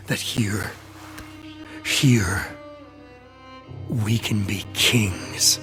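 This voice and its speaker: Volatile, menacing convict gang boss. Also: male voice, mid-range voice. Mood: menacing, grandiose. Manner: theatrical, swings from hissed threats to bellowing. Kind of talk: video game cutscene acting.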